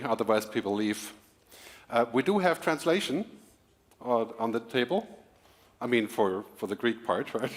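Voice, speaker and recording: A middle-aged man from Germany, giving a quick, energetic keynote to a live audience with small laughs and asides. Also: medium pitch. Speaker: keynote speaker.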